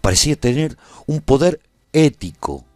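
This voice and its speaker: An actor playing a battle-weary, lovelorn leader of war wolves, narrating a radio serial in a solemn, dramatic first person. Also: male voice, mid-range voice, sing-song, moderate pace, no echo, studio quality, faint music behind, natural voice.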